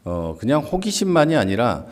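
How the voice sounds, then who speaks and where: A man's voice: mid-range voice, sing-song, normal speed. A man giving a church Bible class lecture, explaining step by step and acting out quoted lines in a livelier voice. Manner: explains step by step, often starting a point with "자".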